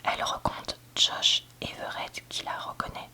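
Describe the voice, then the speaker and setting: A book reviewer giving a candid, hesitant ASMR review in a soft library whisper, often searching for words. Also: a little slow. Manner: soft library whisper, almost entirely unvoiced. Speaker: book reviewer, video host.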